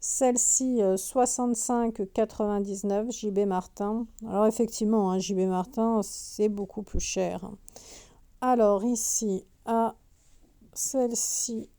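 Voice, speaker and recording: A woman's voice: mid-range voice, fairly even intonation, slow, dark tone, clean tone. A woman giving casual shopping vlog commentary in a discount store, chatty and full of fillers, with a slightly sore throat from wearing a mask. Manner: chatty, fills with "euh" and "hein", reads prices aloud. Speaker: vlogger showing a discount store shoe display. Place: inside a large discount store.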